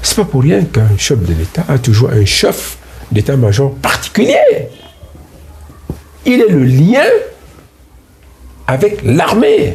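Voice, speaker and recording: A man speaks very slowly with long, frequent pauses. His loudness stays very even through noticeable background noise. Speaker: professor of international law. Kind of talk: interview.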